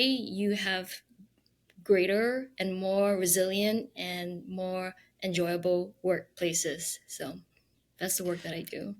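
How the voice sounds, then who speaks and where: A woman's voice: mid-range voice, fairly bright tone. Thoughtful woman guest explaining her work. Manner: thoughtful, with fillers like "you know". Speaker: guest, trauma consultant. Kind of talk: interview answers.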